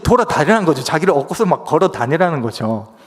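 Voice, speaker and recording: A man in his thirties preaches in a fairly high, animated voice, drifting into a casual storytelling manner full of fillers. His words ring out with the long reverb of a church hall. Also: fast talker. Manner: conversational storytelling with many fillers. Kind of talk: sermon with personal story.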